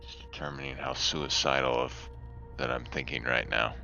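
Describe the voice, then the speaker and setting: Male player, extremely deep yet bright, hesitant casual table talk, muffled recording with faint music. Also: steady tone, normal speed, creaky. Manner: hesitant, thinking aloud. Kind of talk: casual game-table chat.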